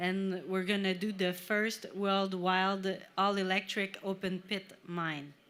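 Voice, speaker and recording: With a French Canadian accent and a medium pitch, a woman speaks very slowly in a monotone, flat way with hardly any pauses. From Quebec, Canada. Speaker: company communications officer. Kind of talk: conference presentation.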